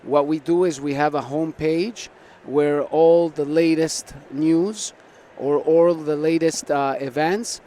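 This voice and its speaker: Taking it slowly with few pauses, this startup founder has a slightly high, mellow voice and fairly even intonation. Canadian-born, with South American roots in Argentina and Venezuela, he answers earnestly and explains in a conversational interview amid the ambience of a noisy tech conference floor.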